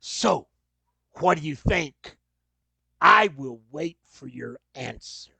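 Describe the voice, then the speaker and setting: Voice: mid-range voice, animated, takes it slowly, gravelly, bright, forceful tone, slightly rough, dry recording, heavily acted. A performer playing a vengeful, frustrated wrestler prince in a staged reading, declaring boasts and threats. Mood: determined.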